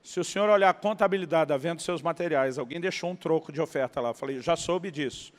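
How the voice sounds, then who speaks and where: A Brazilian male pastor tells a story during his sermon, speaking fast in a fairly high voice. He animatedly acts out the dialogue and laughs at his own punchlines, and long reverb makes it sound like a large hall.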